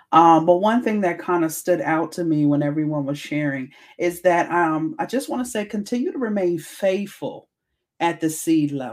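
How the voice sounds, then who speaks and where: A woman has an ordinary speaking voice, fairly low in pitch. She speaks at a moderate pace with lively intonation. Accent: American. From Harrisburg, Pennsylvania. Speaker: podcast host and author. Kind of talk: testimony.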